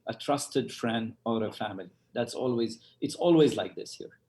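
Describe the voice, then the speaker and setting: A man from Lebanon, a church leader, telling his story as an interview guest, halting with many fillers and restarts. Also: medium pitch, a little mellow. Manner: halting, full of fillers and restarts, chuckles while telling stories.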